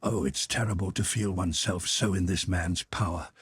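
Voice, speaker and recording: A man's voice: deep voice, fairly even intonation, normal speed, slightly rough, dry recording, clean studio sound. A man reading the part of a young nobleman gambler, proud but desperate, questioning himself in anxious, pleading inner talk. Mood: strained.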